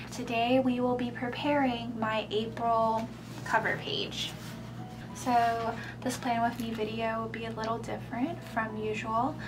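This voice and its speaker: Noticeable noise runs behind a woman who talks fairly slowly. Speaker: artist and bullet journal creator. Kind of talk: video intro to camera. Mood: cheerful, friendly. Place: home room.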